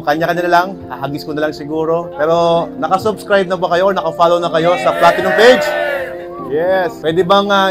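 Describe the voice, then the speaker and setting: Male motovlogger, high-pitched, energetic crowd-hyper, live music loud behind him. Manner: energetic, code-switching, leads chants. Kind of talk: casual vlog chat and crowd hyping. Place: outdoor festival grounds.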